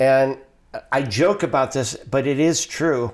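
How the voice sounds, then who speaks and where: A man with a normal speaking voice at medium pitch shows ordinary pitch variation on a very clean recording with a silent background. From Cleveland, Ohio. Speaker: jazz clarinetist and saxophonist. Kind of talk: interview.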